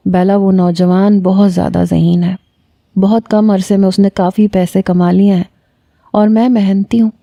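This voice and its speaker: A man's voice: high-pitched, gravelly, mellow, no room sound. A woman voicing a blunt, stern traditional husband in a read-aloud story.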